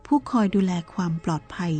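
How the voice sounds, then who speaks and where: A woman reading a Buddhist novel aloud in a calm, measured storytelling manner, with soft music behind her. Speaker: narrator.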